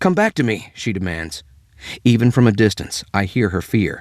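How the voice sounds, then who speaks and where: A normal speaking voice, medium in speed and lively in intonation. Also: man, fairly low pitch for a man. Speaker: voice actor, voiceover coach. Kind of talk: audiobook narration demo, dramatic.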